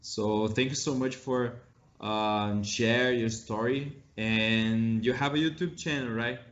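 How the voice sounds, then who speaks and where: Brazilian host, mid-pitched voice, friendly and casual, muffled lo-fi recording. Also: male voice, steady tone, slow. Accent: Brazilian Portuguese. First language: Portuguese. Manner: searching for English words, friendly. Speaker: podcast host. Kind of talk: casual interview chat.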